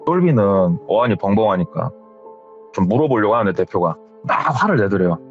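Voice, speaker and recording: Lively male horror storyteller. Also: lowish voice, fairly quick, highs cut off, soft background music. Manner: conversational, retells secondhand with hearsay endings. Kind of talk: casual spoken storytelling.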